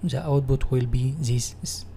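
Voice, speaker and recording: A man with an Egyptian Arabic accent giving a software tutorial in non-native English, reading and rephrasing as an instructor. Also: medium pitch, fairly even intonation, unhurried, creaky, slight background noise.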